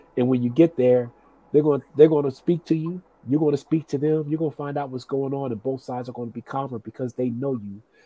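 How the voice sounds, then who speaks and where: Fast and animated, a man speaks at a very fast pace with a fairly high pitch. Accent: American. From New Jersey, US. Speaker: retired deputy police chief. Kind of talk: interview conversation. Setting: online video stream.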